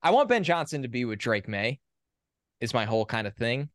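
A young adult man co-hosting a podcast in a casual sports chat. He sounds opinionated and reels off facts in a steady run. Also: medium pitch, brisk, no echo. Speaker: podcast co-host.

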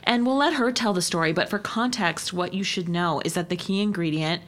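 Fairly low-voiced woman co-host. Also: a little fast, fairly bright tone. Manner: explains at length, listing items one after another. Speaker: podcast co-host. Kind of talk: casual podcast chat.

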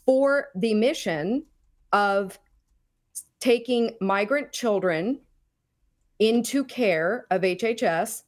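A middle-aged woman speaking as an interview guest, explaining her own experience with deliberate, emphatic phrasing. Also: on the high side. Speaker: podcast guest, whistleblower. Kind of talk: explanatory personal account in an interview.

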